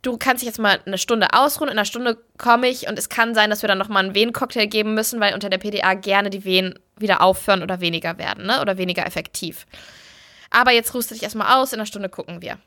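A woman's voice: medium pitch, steady tone, quick pace, pushed and bright. A young woman telling her own story in casual chat, candid and blunt, swearing freely. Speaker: podcast host.

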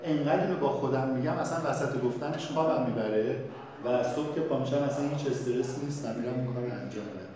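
A man at a workshop, telling his own experience in a calm, plain way. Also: mid-range voice, a crowd in the background. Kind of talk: casual talk in a workshop. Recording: echoey room with clear background noise.

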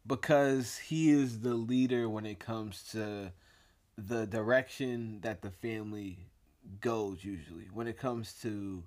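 A man's voice: fairly low pitch, slow pace, a little mellow. Laid-back, playful male podcast co-host. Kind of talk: casual conversational podcast chat.

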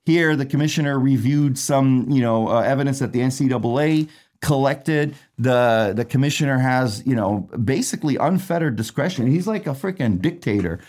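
A man's voice: mid-range voice, normal speed, darkish tone. A man born in Iraq, a trial attorney, explaining a legal case in casual, rambling talk full of fillers and asides. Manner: chatty, many fillers and asides, laughs at own jokes.

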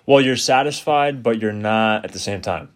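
A young man talking on a casual podcast with a fairly low voice. He speaks in a reflective, easygoing way and often fills with "you know". His talk turns to faith and letting things go. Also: moderate pace. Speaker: podcast co-host. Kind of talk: casual chat.

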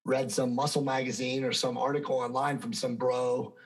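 A man's voice: medium pitch, flat delivery, moderate pace, rough recording. A man in his fifties, a fitness expert guest answering interview questions in an emphatic, self-assured, lecturing way. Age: 50s.

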